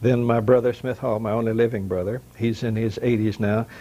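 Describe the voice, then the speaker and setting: This man has a Southern US accent and a dark, mellow tone at medium pitch. He speaks at a moderate pace with flat, monotone intonation. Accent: Southern US (Georgia). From US South, north Georgia (Murray County). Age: 70s. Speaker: war veteran. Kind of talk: oral history interview. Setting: library building. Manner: halting, many false starts.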